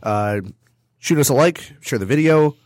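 A man's voice: medium pitch, measured pace, a little mellow, no room sound. A man co-hosting a podcast in a studio, talking in a laid-back, chummy way. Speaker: podcast co-host. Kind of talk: casual chat.

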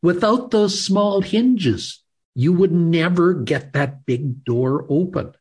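Slow, husky, lively-pitched male host. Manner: slow, emphatic, swinging from loud to soft. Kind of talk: interview hosting.

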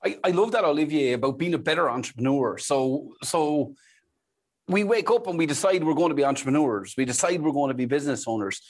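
An Irish man hosts a podcast interview with a slightly husky voice. His pitch rises and falls a great deal as he speaks with enthusiasm, and he fills his pauses with "um" and repeats phrases for emphasis. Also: expressive, a little mellow. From Ireland. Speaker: podcast host.

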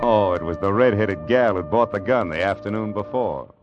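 An actor playing a wry, determined gold seeker who narrates and acts in an old radio Western. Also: male voice, lowish voice, moderate pace, natural voice. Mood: easygoing, curious. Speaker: narrator and lead character. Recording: dull old radio recording with music.

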